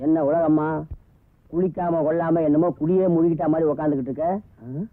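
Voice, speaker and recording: A man's voice: fairly high pitch, steady tone, fairly quick, no echo, natural voice. An actor playing a blustering village elder, a bride's father, in a film comedy scene, scolding and threatening. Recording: tinny lo-fi old film sound.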